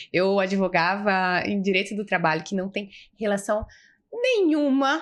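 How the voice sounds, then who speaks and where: A woman speaks at a fairly high pitch. Her pitch varies an ordinary amount. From Brazil, Mato Grosso interior. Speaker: lawyer. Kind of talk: podcast interview. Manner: conversational, with frequent repetitions.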